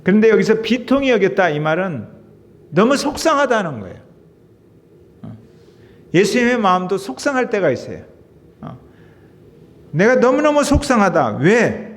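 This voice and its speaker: A man's voice: high-pitched, big pitch swings, normal speed, long pauses. A middle-aged man, a pastor, preaching a sermon in an emotive, conversational way to his congregation. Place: church sanctuary. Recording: reverberant church hall.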